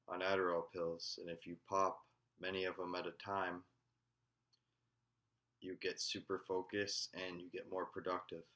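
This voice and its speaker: Man, slow halting storytelling, deep, bright tone. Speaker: vlogger. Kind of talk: casual storytelling.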